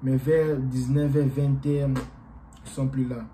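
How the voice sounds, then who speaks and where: A man whose first language is Portuguese, talking casually to his viewers as a YouTuber in a rambling, halting way with many fillers. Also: medium pitch, little pitch movement, dark tone, slight background noise, rough recording.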